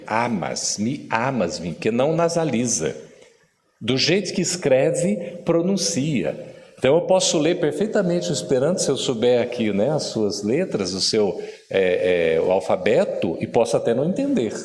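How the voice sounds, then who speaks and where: A middle-aged Brazilian man lectures in a big echoing hall, his pitch bouncing up and down as he teases and quizzes his listeners. He drills words slowly and clearly, in a warm, playful teaching manner. The long reverb of the room trails each phrase. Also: sing-song. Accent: Brazilian Portuguese. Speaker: spiritist lecturer teaching Esperanto. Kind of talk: lively lecture to a live audience.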